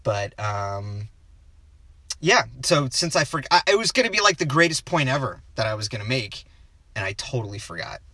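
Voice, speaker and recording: A man co-hosting a relaxed film discussion in a bright, forceful voice. He wanders, starts sentences over and trails off mid-thought. The sound is dry and close, with almost no room in it. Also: mid-range voice, normal speed, no echo. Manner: rambling, stops himself often and trails off.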